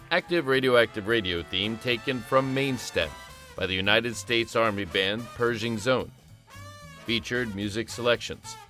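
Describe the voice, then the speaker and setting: A man's voice: medium pitch, bright, forceful tone. A man reading scripted audio drama credits as an announcer. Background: faint music.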